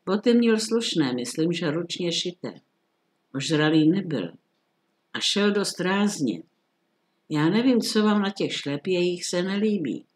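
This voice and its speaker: Guy reading a grumpy calm cop commissioner, dry, mutters, kinda fed up. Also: high-pitched. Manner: dry, unhurried, grumbly. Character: grumbling phlegmatic middle-aged police commissioner.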